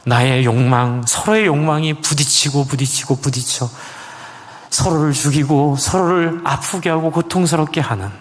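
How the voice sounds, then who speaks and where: A male pastor voicing God as a gentle, fatherly speaker who explains calmly within a sermon story. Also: a little high, normal speed, long reverb tail, lightly acted. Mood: tender.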